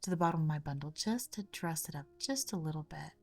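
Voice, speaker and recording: A woman with a lowish, slightly raspy voice, hoarse from a lingering cold, walks through a craft project step by step. She chats casually and repeats small words as she works. Faint music plays softly under her voice. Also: animated, quick pace. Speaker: craft channel host. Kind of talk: casual craft tutorial narration.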